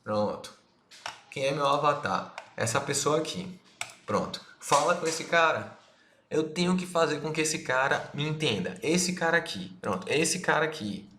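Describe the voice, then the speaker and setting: A man's voice: a little high, expressive, moderate pace, sharp tone. Brazilian man teaching in an echoey room. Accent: Brazilian Portuguese. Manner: slangy, direct, talks straight to the viewer. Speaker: online marketing instructor. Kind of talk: casual recorded course lesson. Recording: echoey room, faint noise.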